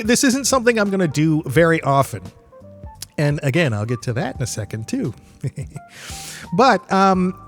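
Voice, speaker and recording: Higher-pitched man in casual podcast talk, music behind. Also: a bit bright. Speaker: podcast host.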